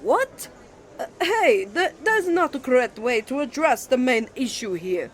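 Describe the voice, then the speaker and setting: A man's voice: extremely high pitch, very animated, a little slow, a little hiss or hum, heavily acted. A man playing a jealous, flustered young student, a protective twin brother with a dramatic manner, in an ASMR romance roleplay. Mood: indignant. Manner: indignant, dramatic, stammering when flustered.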